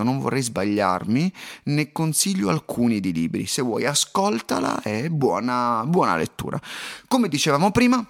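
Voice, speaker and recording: A man hosting a solo podcast from his home loft, giving tips in a playful, expressive way. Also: medium pitch. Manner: lively and expressive, playful asides. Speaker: podcast host.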